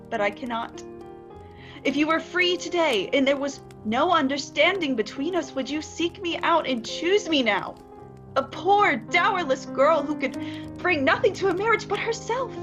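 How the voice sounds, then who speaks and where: A woman acts out a young, heartbroken sweetheart with a high, earnest voice. She speaks formally and with sorrow, as in a radio drama. The recording is a little muffled, with clear music underneath. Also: animated, unhurried. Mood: wounded, resolute. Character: Belle, heartbroken young woman releasing her fiancé. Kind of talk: radio play acting. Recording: dull lo-fi audio under music.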